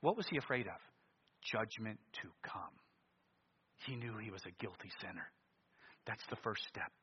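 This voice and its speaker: A man preaching a sermon with passion, swinging between loud declarations and hushed, intense tones, his voice a little husky. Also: lowish voice, lively intonation, normal speed. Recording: dull lo-fi sound with long hall reverb.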